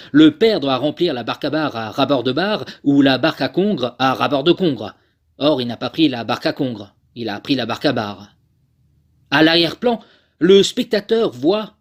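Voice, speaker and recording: A man, a voice actor, delivering scripted narration in a theatrical, measured manner. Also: medium pitch. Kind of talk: scripted dramatic narration for a demo reel.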